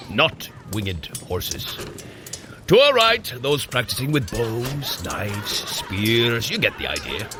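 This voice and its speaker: An actor playing a hearty, boastful Norse warrior god in an audio drama, a jovial storyteller who teases his brother. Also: mid-range voice. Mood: proud, hearty.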